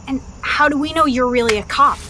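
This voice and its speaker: A woman's voice: high voice, fairly quick, noisy background, close to an everyday voice. An actress playing a mouthy, defiant young hipster woman in an audio drama, confrontational and snappy. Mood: defiant, irritated.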